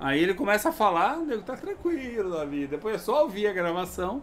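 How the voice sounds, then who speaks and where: A man with a high pitch and very wide pitch swings at a moderate pace, over noticeable background noise. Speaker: spiritist study group leader. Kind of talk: online study group discussion.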